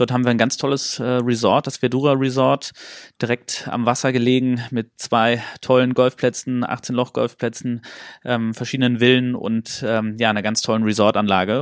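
Over a quiet background, a man speaks in a flat monotone at a moderate pace, the sound dry with no echo. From Germany, Aachen area; Germany. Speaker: hotel manager; guest. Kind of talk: interview. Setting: hotel rooftop. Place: home room. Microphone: handheld.

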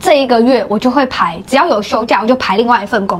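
Over light background noise, the speaker talks at a very fast pace with ordinary pitch variation. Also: woman. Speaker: beauty salon worker. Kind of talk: casual chat. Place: home room. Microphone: lapel.

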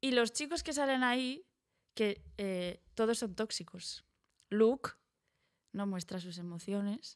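Speaking at a very slow pace with long, frequent pauses, a woman uses lively intonation against a quiet background. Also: fairly high pitch for a woman. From Gandia, Valencia, Spain; Valencia, Spain. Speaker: comedian and content creator; guest. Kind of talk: casual chat. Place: studio. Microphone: studio mic.

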